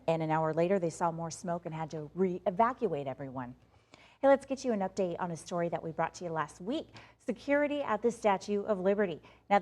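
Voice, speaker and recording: An American woman anchoring morning news in a TV studio, switching between news reading and chatty, conversational delivery. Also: on the low side. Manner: chatty, conversational, teasing asides. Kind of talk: broadcast news reading with playful co-anchor banter.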